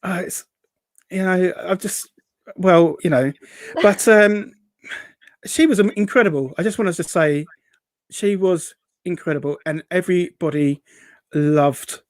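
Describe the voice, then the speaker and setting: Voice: mid-range voice, measured pace, no echo. A host chatting casually on a live show, rambling and hesitant, reading out comments in an upbeat way. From Essex, England.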